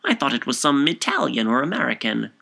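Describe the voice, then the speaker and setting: Man putting on a pedantic, sharp-voiced pious gentleman. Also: medium pitch, big pitch swings, a little fast, creaky, heavily acted. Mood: dubious.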